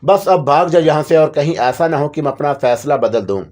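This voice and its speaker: A man's voice: on the high side, a little mellow, close to an everyday voice. A man voicing a stern, bossy old sorceress who scolds and commands. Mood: scolding.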